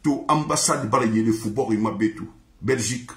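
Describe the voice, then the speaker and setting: A man's voice: medium pitch, moderate pace. A man singing in a repetitive, chanted, sing-song way. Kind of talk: chanted song in mixed languages. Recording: echoey room.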